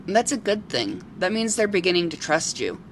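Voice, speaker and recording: A woman playing a kindly local who befriends forest creatures in an audio drama, talking in a gentle, earnest, storytelling way. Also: fairly low pitch, sing-song, normal speed, slight background noise, low-quality recording. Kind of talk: amateur audio drama acting.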